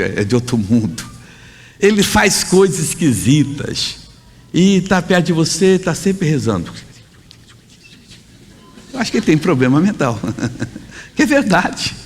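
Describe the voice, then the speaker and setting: A man preaching a sermon in a conversational, emphatic way, often pausing to correct himself. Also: on the high side. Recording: long hall reverb.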